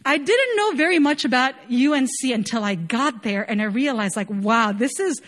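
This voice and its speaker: A woman's voice: on the high side, lively intonation, moderate pace, fairly bright tone. A young woman from Chile giving an earnest, conversational sermon, often dropping in casual fillers as she talks. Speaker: worship leader preaching.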